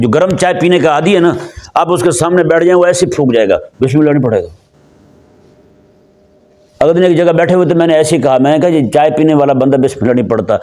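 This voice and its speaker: A man from Pakistan giving a sermon, talking conversationally to a seated gathering, asking them questions and slowing down to recite scripture. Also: a little high, a little mellow. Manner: conversational, asks the audience questions; slows down for Quranic recitation. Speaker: Islamic preacher.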